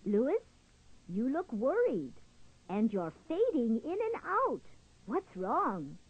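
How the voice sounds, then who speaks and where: A woman voicing a caring female counselor doctor who speaks gently and with concern. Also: high voice, huge pitch swings, slow pace, breathy edge, dry recording, highs cut off, voice pushed up, exaggerated voice.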